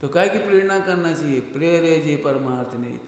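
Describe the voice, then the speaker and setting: A man's voice: fairly high pitch, animated, normal speed, dull audio. A male Jain preacher giving a conversational sermon, asking the audience questions and using everyday examples. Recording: echoey hall with long reverb.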